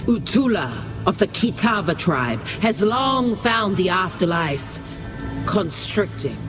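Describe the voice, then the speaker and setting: An actor playing a solemn, reverent tribal herald, formal and ceremonial, in a fantasy video game. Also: male voice, sits high.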